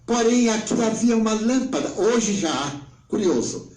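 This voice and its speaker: A man in his nineties with a Brazilian Portuguese accent, giving a spiritual talk as an emotional story, swinging between hushed and exclaiming. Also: high voice, lively intonation, moderate pace, reverberant, poor audio. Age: 90s. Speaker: spiritual speaker.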